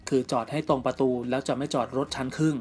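A man narrating an entertainment news story in a steady, scripted reading voice. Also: medium pitch, quick pace. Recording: music bed faint underneath.

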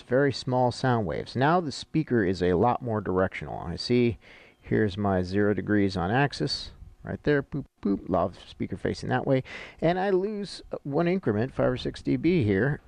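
Here the audio-visual instructor, a middle-aged man, speaks in a mid-range voice with vocal fry and a slight mellowness, recorded dry. He is marking up charts and explaining technical points casually, one step at a time, as if reasoning out loud.

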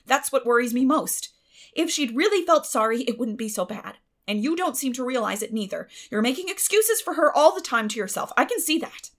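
A woman voicing a stern, plain-spoken older spinster with a brisk, firm manner in a storybook reading. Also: high voice, expressive, voice pushed up. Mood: scolding. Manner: brisk, firm, matter-of-fact.

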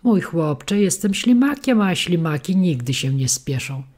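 A woman doing a slow phlegmatic snail. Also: fairly low pitch, sing-song, darkish tone, voice pushed up. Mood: placid. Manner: slow, unhurried, unbothered. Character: calm, sluggish, phlegmatic male snail.

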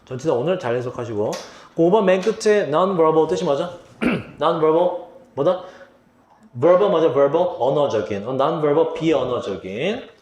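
A man's voice: on the high side, lively intonation, moderate pace, a little mellow. A man teaching English vocabulary for an exam, asking the students questions and then answering them himself. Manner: quizzing students, answering his own questions. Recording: echoey room.

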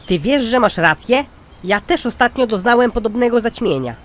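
An actor playing a crude, cheeky, forgetful old man in a cartoon comedy, joking bluntly with a deadpan manner. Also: extremely high pitch, moderate pace. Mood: matter-of-fact. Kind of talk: cartoon comedy sketch dialogue.

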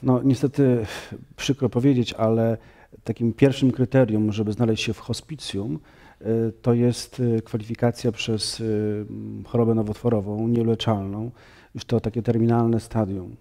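A man in his thirties, a priest giving a measured, explanatory studio interview with frequent fillers. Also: medium pitch, little pitch movement, dark tone. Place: bright TV studio, seated on sofa.

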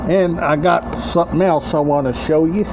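A middle-aged man talking casually to camera as a vlog host, in halting short phrases with repetition, recorded indoors at home. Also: fairly high pitch, steady tone. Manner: halting, short broken phrases, repeats himself. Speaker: host of a collection video channel. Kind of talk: casual rambling show-and-tell vlog. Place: small room at home, indoors. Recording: dull lo-fi webcam-like sound, clear background noise.

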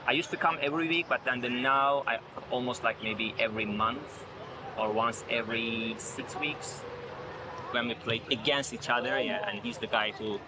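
A man's voice: mid-range voice, moderate pace, noisy background. A man in his forties with a Turkish accent, casually explaining things in an interview. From Turkey. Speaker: restaurant owner interviewed for documentary.

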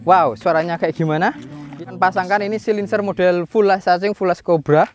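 A man, talking through a casual, excited, slangy vlog outdoors in a rice field. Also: high-pitched, a little fast. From Indonesia. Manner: excited, slangy, calls viewers "boy". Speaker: vlogger. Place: outdoors in a rice field beside a running tractor.

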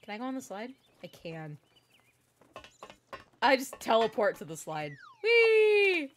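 A woman's voice: mid-range voice, lively intonation, moderate pace, a little hiss or hum. A young adult woman, a voice actor, giving casual, sarcastic gameplay commentary, swearing freely and putting on mock accents.

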